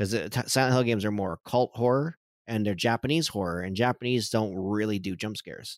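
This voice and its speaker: Fairly quick and fairly low-pitched, a man with an American accent talks with ordinary pitch variation in a dry, close sound with no echo. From US East Coast. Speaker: podcast co-host. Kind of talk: casual chat.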